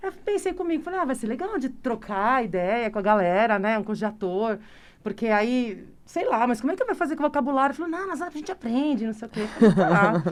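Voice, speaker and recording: At a very fast pace, a woman speaks in a high pitch with very wide pitch swings. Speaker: actress. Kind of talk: interview. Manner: animated.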